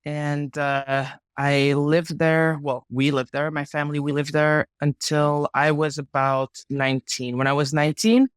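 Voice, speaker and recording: A woman's voice: low voice, steady tone, unhurried, hardly any pauses, clear, resonant tone, no echo, studio quality. A woman in her forties from Montreal whose first language is French, chatting casually and easily as a guest. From Montreal, Canada. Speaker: guest pilot. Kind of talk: casual interview chat.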